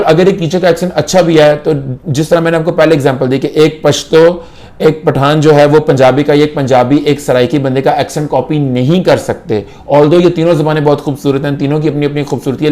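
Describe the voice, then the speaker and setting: A man's voice: on the high side, a little mellow. A young Pakistani man, an IELTS instructor, gives a lesson to camera in Urdu mixed with English and repeats key points for emphasis.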